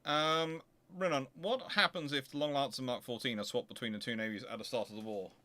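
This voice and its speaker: A man talks off the cuff as the host of an informal question-and-answer session. His voice sits at a middling pitch. He thinks aloud, wanders through his answers and corrects himself as he goes. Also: brisk, sharp tone.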